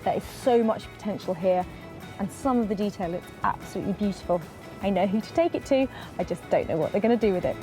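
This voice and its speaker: A woman's voice: medium pitch, quick pace, music in the background. A woman presenter chatting casually and enthusiastically outdoors at a recycling centre. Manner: bubbly and enthusiastic. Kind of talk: casual on-location chat.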